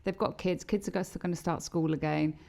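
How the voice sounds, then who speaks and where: Woman co-host with a low, gravelly voice, lively storyteller. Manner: animated storyteller, quick to laugh. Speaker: podcast co-host. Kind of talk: casual podcast chat.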